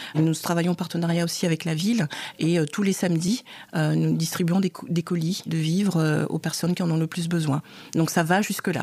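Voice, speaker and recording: A woman speaks at a moderate pace with fairly even intonation and very even loudness. Noticeable background noise is present. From Cameroon. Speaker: church leader and HR director. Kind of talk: testimony. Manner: hesitant.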